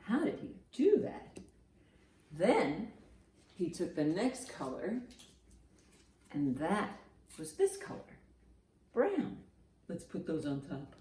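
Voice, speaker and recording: A children's librarian hosts storytime, reading aloud with lots of animation and asking young listeners simple questions. Her voice sits on the low side and swings widely in pitch. She takes her time, leaves long pauses, and sounds warm.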